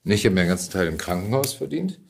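A man's voice: sits low, very animated, racing, creaky, a little mellow, breathy edge. A man chatting casually and bantering as an interview guest. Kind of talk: casual chat.

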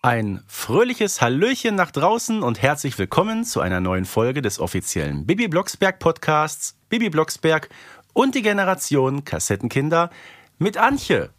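A man hosts a podcast with a cheerful, welcoming manner. His pitch swings a lot as he talks, and the sound is dry and close. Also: normal speed, dry recording. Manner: cheerful, lively, agreeable. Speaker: podcast host. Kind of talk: casual chat.

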